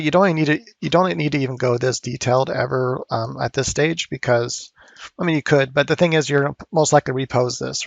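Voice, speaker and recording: Gravelly-voiced man rambling through a tutorial. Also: mid-range voice, dry recording. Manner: rambling, thinking aloud with fillers. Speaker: art instructor. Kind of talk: casual sculpting tutorial. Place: home studio.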